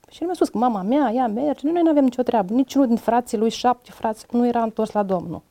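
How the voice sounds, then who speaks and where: A woman's voice: on the high side, mellow. A middle-aged woman, a podcast guest, candidly recounting her own past in casual conversation, reflective in tone. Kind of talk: personal testimony in casual conversation.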